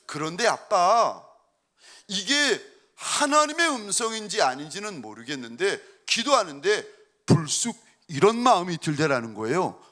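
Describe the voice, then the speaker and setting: A man's voice: sits high, very animated, measured pace, pushed and bright, exaggerated voice. A man voicing his curious young teenage daughter in plain, lightly acted quotes. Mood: questioning.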